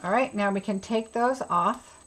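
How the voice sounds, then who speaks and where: A woman's voice: mid-range voice, normal speed, fairly bright tone. A woman giving a casual live craft tutorial as host, chattily talking herself through each step.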